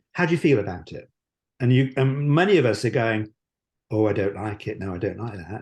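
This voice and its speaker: Against a quiet background, a man speaks with a British accent. His fairly low voice is somewhat breathy. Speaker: Chinese medicine practitioner and author. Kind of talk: interview.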